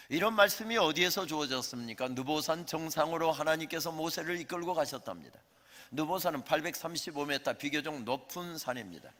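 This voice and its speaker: A man's voice: fairly high pitch, fairly bright tone. A male pastor delivering a sermon, telling the story conversationally and addressing the congregation with questions. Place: church sanctuary. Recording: reverberant church sanctuary.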